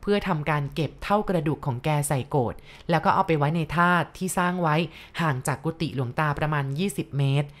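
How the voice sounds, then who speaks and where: A woman narrating a ghost story for listeners, speaking politely and addressing the audience directly with soft courteous particles. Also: low-pitched.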